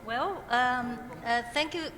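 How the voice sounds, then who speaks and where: Slow, halting woman moderator relaying questions, in an echoing hall. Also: a little high, bright, forceful tone, a little hiss or hum. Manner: halting, full of fillers. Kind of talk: reading out audience questions. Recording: reverberant hall.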